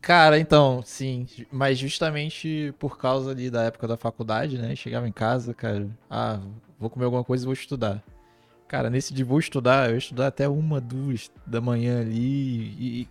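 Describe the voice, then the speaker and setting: A man's voice: mid-range voice, fairly even intonation, normal speed, few pauses, faint music behind. A man in a casual chat, telling a story. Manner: easygoing, storytelling.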